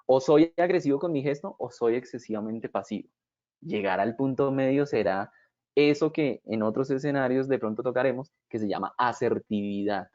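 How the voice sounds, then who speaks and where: With a mid-range, slightly mellow voice at moderate pace, a man lectures as a communication trainer. His explanations are dotted with rhetorical "¿sí?" and "¿cierto?" to check in with listeners, captured in dull, dry lo-fi audio.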